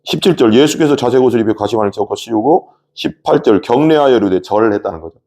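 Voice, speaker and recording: A man's voice: lowish voice, fast talker, a little mellow. A male pastor preaching a sermon in a conversational, explanatory way, asking his listeners rhetorical questions.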